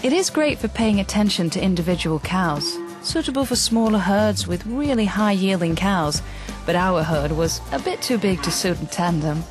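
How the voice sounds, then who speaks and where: An actress voicing a dairy farmer's wife in a scripted advertisement voice-over, calm and matter-of-fact. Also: female voice, medium pitch, moderate pace, lightly acted. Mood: content. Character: proud dairy farmer's wife, practical and content. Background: music.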